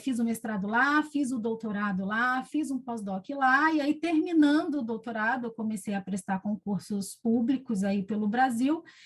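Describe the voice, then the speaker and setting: A woman speaks at a high pitch with lively intonation, at a fairly slow pace. Noticeable background noise sits under her voice. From interior of São Paulo state, Brazil. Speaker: nutrition professor. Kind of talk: podcast interview. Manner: hesitant, many fillers.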